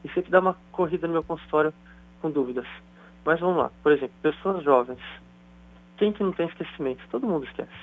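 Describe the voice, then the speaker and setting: A man's voice: on the high side, fast talker, rough recording. A man, a doctor, explaining things in a chatty radio interview. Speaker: neurosurgeon guest.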